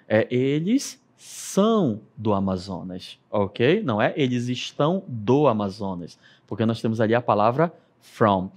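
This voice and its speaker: Brazilian guy teaching on tv, slow and patient, voice goes up and down a lot, keeps saying ok. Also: medium pitch, darkish tone. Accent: Brazilian Portuguese. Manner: patient, explains step by step, checks in with "ok?". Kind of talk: televised classroom lesson.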